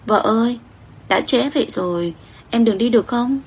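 A woman reading the lines of a young husband who coaxes and pleads softly with his wife, in a husky voice. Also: mid-range voice, unhurried, close to an everyday voice. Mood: pleading. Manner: soft wheedling pleading.

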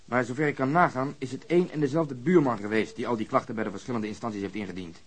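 Acting in a radio drama, a man plays a brusque, cynical, sarcastic police detective, delivering lines in a dry, matter-of-fact way. His medium-pitched voice moves at a quick pace and sounds close to everyday speech.

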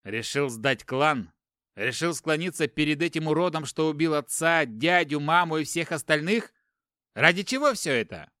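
A man's voice: fairly high pitch, lively intonation, normal speed, pushed and bright, no echo, studio quality, voice pushed up. A man voicing a furious, hot-tempered captive warrior lord who hurls defiant accusations.

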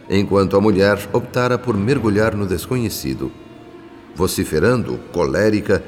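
An actor playing a solemn, compassionate spirit who narrates a Brazilian radio drama in a grave, measured, literary manner. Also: male voice, sits low. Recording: long reverberant hall effect.

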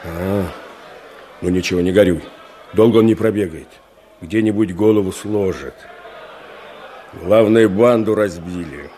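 An actor playing a calm, fatherly military commander in a radio play, speaking in terse, reassuring phrases. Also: low-pitched, unhurried, pauses often, slight background noise.

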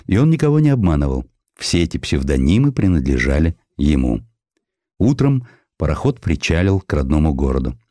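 Male audiobook narrator, low-pitched and animated, for literary history; expressive storytelling, close dry studio sound. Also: dry recording.

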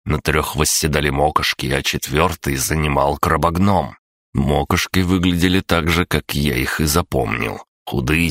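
A man's voice: a bass voice, a bit bright, no room sound. A man reading a first-person audiobook with dry, wry storytelling. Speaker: audiobook narrator.

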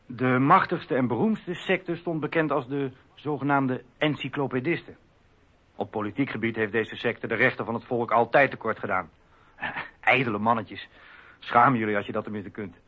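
Man acting a scornful, husky revolutionary orator. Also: medium pitch, close to an everyday voice. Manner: contemptuous, declamatory. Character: scornful male revolutionary orator denouncing intellectuals. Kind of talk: radio drama oratory. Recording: dull lo-fi radio recording.

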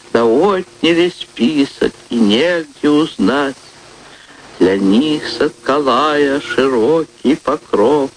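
A man reciting verse in a solemn, dramatic style, with grave and deliberate phrasing. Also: mid-range voice, slight background noise, lightly acted, rough recording.

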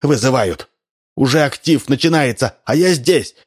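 A man's voice: mid-range voice, lively intonation, moderate pace, breathy edge, pitched above the performer's own voice. A man reading aloud and voicing a timid, fearful middle-aged man who panics easily. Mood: desperate. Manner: fearful, fussing.

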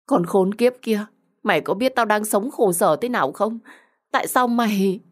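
A woman's voice: fairly low pitch, expressive, brisk. A woman voicing a betrayed young woman in an audio story, pleading, agitated and urgent as she makes angry threats. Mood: furious, betrayed.

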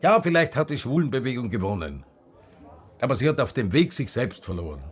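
An actor in a radio drama playing a gay bar owner in his sixties, weary, principled and defiant, with an Austrian accent and a husky voice. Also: medium pitch, very animated, fairly quick, close to an everyday voice. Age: 60s. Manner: dialect-tinged, impassioned, reflective. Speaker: lead actor and narrator. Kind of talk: radio drama acting and first-person narration.

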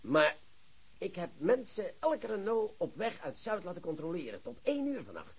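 A showy police boss in a radio play, gravelly and husky, voice swoops all over. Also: male voice, sits high, moderate pace, full character voice. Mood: excited, lecturing. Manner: animated, theatrical, lecturing colleagues. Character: excitable boastful male police chief, theatrical. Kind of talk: Dutch radio drama acting.

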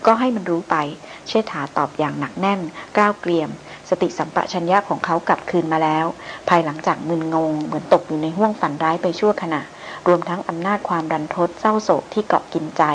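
A woman narrating an adventure novel in a steady, even reading voice. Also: low voice, slight background noise, rough recording. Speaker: audiobook narrator.

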